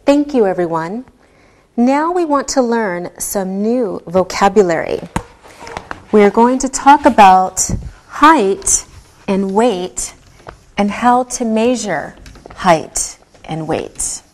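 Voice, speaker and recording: A woman teaches an English lesson with patient, careful delivery. She speaks at a very slow, deliberate pace, and every word comes out clear and unhurried. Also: medium pitch, lively intonation, a little hiss or hum. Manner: patient, deliberate, spells things out step by step.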